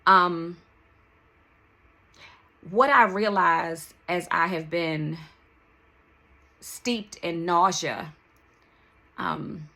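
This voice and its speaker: A woman with a D.C. records a personal podcast monologue. Her voice is very bright and forward, sitting a little low. She speaks slowly and candidly, breaking her reflective sentences into short, halting pieces. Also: gravelly. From Washington, D.C., United States. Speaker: podcast host.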